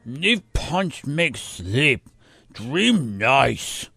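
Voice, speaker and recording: A man playing a childlike, grumpy monster brute in an audio drama, speaking in short, blunt, broken phrases with a gravelly voice. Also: mid-range voice, very animated, extremely slow, loud music behind the voice, heavily acted. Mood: drowsy, grumbling. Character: childlike hulking monster brute, grumpy, simple-minded, fearful.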